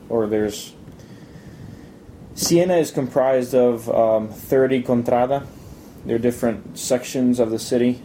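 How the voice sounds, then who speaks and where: A young man from Italy chatting casually in an interview, relaxed and halting, with lots of fillers and restarts. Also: medium pitch, slight background noise, poor audio. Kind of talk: casual chat.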